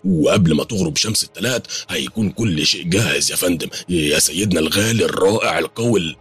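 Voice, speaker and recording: A man's voice: sits low, quick pace, a bit bright, husky, faint music behind, heavily acted. A man with an Egyptian Arabic accent voicing a cowardly male overseer who stammers before his master and bullies the servants. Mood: groveling. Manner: stammering, pleading, then barking orders.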